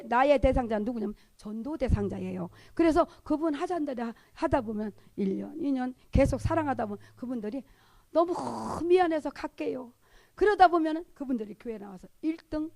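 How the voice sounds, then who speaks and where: A woman with a Chungcheong Korean accent, giving an animated sermon testimony in church and acting out the conversations she describes. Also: high voice, dry recording. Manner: animated, acts out dialogue in different voices.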